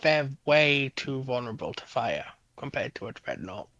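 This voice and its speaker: A man's voice: medium pitch, sing-song, normal speed, pushed and bright, no room sound, highs cut off. A man on a panel in casual technical discussion, hedging and repeating the openings of his phrases.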